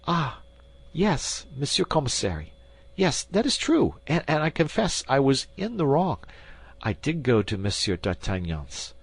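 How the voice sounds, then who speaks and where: A man's voice: big pitch swings, a little slow, creaky, slightly rough, no echo, exaggerated voice. A man voicing a frantic, fawning middle-aged landlord in an audiobook, pleading and whining. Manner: pleading, panicky, high and whining. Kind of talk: audiobook character voice.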